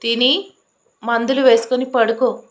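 A woman reads a stubborn, arrogant young man in a storybook romance, clipped and commanding, giving orders and refusing to bend. The voice stays fairly high for a man and keeps his bossy manner throughout. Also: level tone, a little slow, natural voice. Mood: stern, bossy. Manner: curt and commanding.

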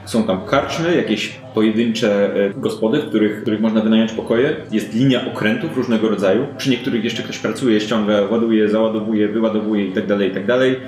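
A man's voice: lowish voice, fairly even intonation, fairly quick, hardly any pauses, darkish tone. A man running a tabletop role-playing game, improvising descriptive narration in a conversational way. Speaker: game master. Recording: roomy, echoey indoor recording.

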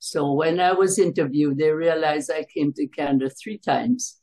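Older female interview guest, low-pitched with vocal fry, hesitant recollection over a home video call. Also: steady tone, moderate pace, dark tone. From Jamaica. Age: older, around 70s. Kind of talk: interview recollection of family history. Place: small bright room at home, indoors. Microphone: computer mic on a video call.

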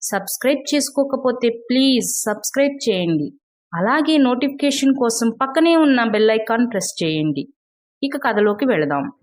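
A woman's voice: fairly high pitch, animated, moderate pace. A woman presenter reading a scripted channel promo.

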